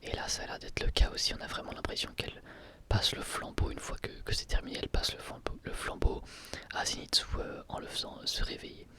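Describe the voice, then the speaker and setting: A man hosting his channel, reviewing an anime episode in a soft ASMR whisper, hesitating often with fillers. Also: fast talker.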